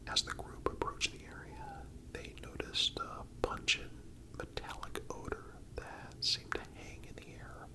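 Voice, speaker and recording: Slow whispering man, ASMR storyteller. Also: low-quality recording. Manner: measured, deliberate whispering with pauses.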